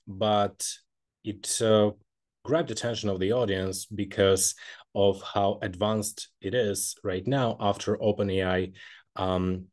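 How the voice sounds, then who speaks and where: A young man from Kazakhstan presents his research in a webinar, his voice sitting somewhat low. He speaks haltingly, filling pauses with ums and uhs. The sound comes through a laptop mic on a video call from a small room. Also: a little mellow. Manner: hesitant, frequent ums and uhs.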